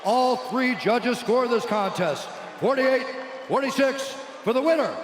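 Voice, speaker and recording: A man making a booming, theatrical ring announcement, stretching out his words. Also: lively intonation, unhurried, slight background noise. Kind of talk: drawn-out arena announcement. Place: large indoor arena. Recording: echoey arena with loud crowd. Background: roaring crowd.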